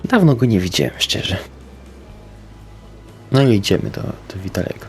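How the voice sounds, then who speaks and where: A man's voice: on the low side, sing-song, normal speed, husky, soft background music. A man speaking in character in a tabletop roleplaying game, hesitant and jumpy, slipping into whispers. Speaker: player.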